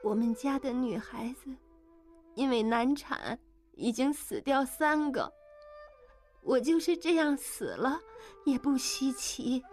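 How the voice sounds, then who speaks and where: A woman playing a frail young wife in a storybook drama, her words faint, breathy and slow. She speaks with little strength, soft music behind. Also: high voice. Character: frail young woman near death in childbirth.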